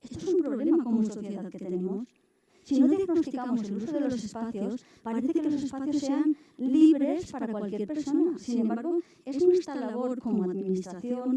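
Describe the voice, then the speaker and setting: Woman lecturer, high and super mellow voice, sounds far from the mic, keeps checking the class is with her. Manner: explanatory, addresses the class directly with checks for understanding. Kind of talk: university summer course lecture.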